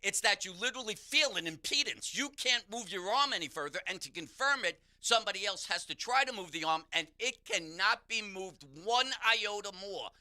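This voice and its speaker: Bright-voiced man explaining on radio. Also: high voice, animated, normal speed, few pauses. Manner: explanatory, instructive. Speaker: pain therapist, show expert. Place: radio studio.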